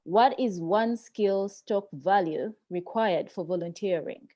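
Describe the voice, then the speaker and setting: A woman moderates an online chat and reads audience questions aloud at a measured pace. Her voice is mellow and mid-pitched, and the call audio sounds dull and lo-fi.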